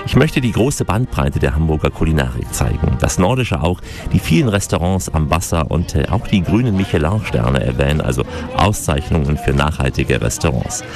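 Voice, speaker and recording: A man hosts a radio show from the studio, with a very deep voice and a gravelly edge. His delivery moves lively up and down, and music plays clearly beneath him. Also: moderate pace, hardly any pauses. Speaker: radio host. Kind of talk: scripted radio presenting.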